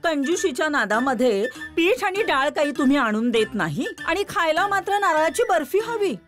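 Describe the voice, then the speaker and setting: A woman playing a sarcastic, scolding wife of a miser in an animated children's story. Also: high-pitched, moderate pace. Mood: scornful nagging. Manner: nagging, sarcastic. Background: faint background music.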